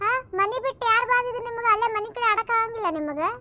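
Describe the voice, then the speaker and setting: A woman voicing gossipy village women in a cartoon comedy, trading quick scolding banter in a North Karnataka accent. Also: very high voice, expressive, noisy background. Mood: bickering. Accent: North Karnataka Kannada.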